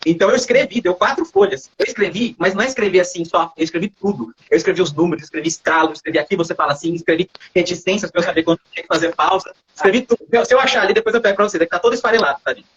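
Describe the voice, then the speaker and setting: A man with a Brazilian Portuguese accent tells a story as an interview guest, animated, acting out quoted dialogue and often adding tag questions. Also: sits high, very fast, few pauses, breathy edge, lo-fi sound. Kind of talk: casual storytelling in a livestream interview.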